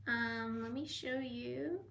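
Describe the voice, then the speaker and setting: A young American woman hosting a casual livestream, reading viewer comments aloud and often slipping into soft whispers. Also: on the high side, fairly even intonation, slow pace, gravelly, slight background noise. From United States. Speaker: livestream host.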